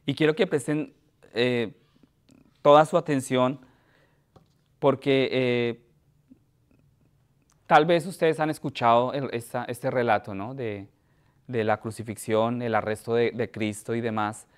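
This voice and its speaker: In church, a pastor with a smooth, resonant, middle-pitched voice preaches a sermon. He reads scripture in an even, measured way, then addresses the congregation with pauses and restarts.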